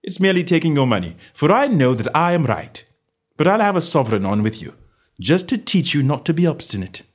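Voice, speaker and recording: A man voicing a shrewd gentleman detective in a story reading, self-assured and genteel with a careless, goading manner. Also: a little high, sing-song, fairly quick, voice pushed up. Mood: stubborn, baiting.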